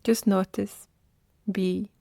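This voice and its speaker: A woman leading a guided meditation in a slow, gentle manner with long pauses. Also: mid-range voice, little pitch movement, vocal fry, dry recording.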